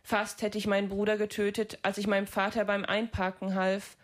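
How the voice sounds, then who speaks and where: Stubborn anxious farm boy, quiet defiance, flat delivery , read by a woman. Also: medium pitch, fairly quick, natural voice. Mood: hesitant.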